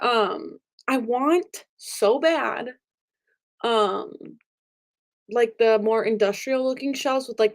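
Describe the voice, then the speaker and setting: A young woman chatting casually on camera, her voice sitting a little high. She rambles, backtracks and fills gaps with "like" and "um", and sounds easygoing and unscripted. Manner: chatty, rambling, frequent fillers. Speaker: book vlogger. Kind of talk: casual chat. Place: home room with angled ceiling.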